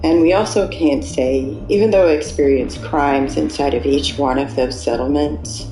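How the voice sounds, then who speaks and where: A former Amish speaker, a native speaker of Pennsylvania Dutch, explains things in a slow, deliberate, measured way. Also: medium pitch, warm tone. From Amish settlements in the US. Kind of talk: earnest explanatory talk. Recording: echoey room with music underneath.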